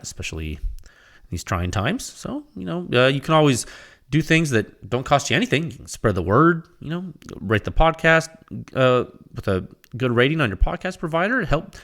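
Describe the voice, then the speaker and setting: A podcast host with a mid-range, fairly bright voice delivers a solo monologue while losing his voice. He's casual and enthusiastic, packing his talk with fillers and saying "you know" again and again.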